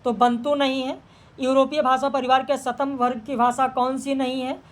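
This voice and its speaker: A woman teacher running through exam practice questions, reading each one and checking the answers in a brisk, matter-of-fact way. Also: high-pitched, level tone.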